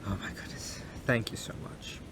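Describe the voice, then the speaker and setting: A man's voice: moderate pace, background noise, lightly acted. A man playing a shy, polite and kind young male neighbor in an intimate ASMR roleplay, speaking hesitantly and apologetically, with stammers. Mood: grateful, sheepish.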